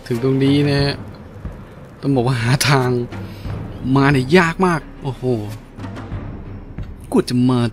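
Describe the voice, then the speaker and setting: A man narrates his own gameplay in a casual, joking way. His voice sits at a medium pitch and he often exclaims or talks to himself. Game music runs clearly behind him. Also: takes it slowly, long pauses. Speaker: gaming video host. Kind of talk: casual let's play commentary. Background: game music and effects.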